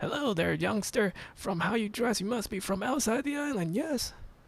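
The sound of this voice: A raspy, high-pitched put-on character voice from a man, with lively intonation at a moderate pace over light background noise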